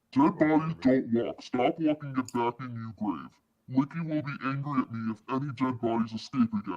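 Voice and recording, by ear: Using a put-on character voice, a man keeps a medium pitch and moderate pace. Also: ordinary pitch variation.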